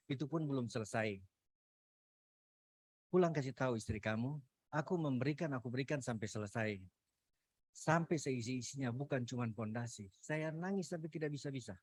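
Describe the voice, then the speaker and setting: A man giving an earnest, emotional personal testimony at a Christian fellowship, breaking off mid-phrase and sometimes dropping to a hushed voice. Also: mid-range voice.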